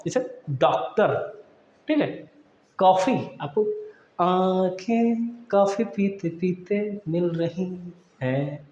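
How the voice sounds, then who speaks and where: A man's voice: high voice, mellow, roomy sound, lo-fi sound. A man teaching an exam-prep grammar lesson, explaining patiently and often repeating key points to his students.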